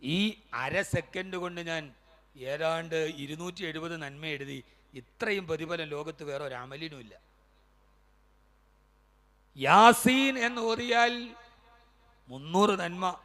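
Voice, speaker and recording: A man's voice: on the high side, a little slow, a bit bright. A man preaching a sermon, moving between melodic chanting and impassioned storytelling. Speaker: Islamic preacher.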